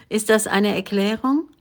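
A woman reading the part of a kindly, humorous, ageless male spirit guide in an audiobook, in a gentle, teasing, patient way. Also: mid-range voice, voice pushed up.

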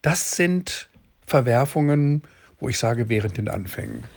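A man's voice: medium pitch, expressive, a little slow, creaky, a little mellow. A man appearing as a guest on a political talk show, speaking in an indignant, emphatic way.

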